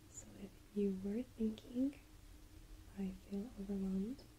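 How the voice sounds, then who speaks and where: A soft-spoken woman talks at a very slow pace in a calm tone. Light background noise can be heard. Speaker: ASMR meditation guide. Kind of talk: guided meditation / ASMR personal attention. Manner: soft-spoken, calm, slow. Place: home room. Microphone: studio mic.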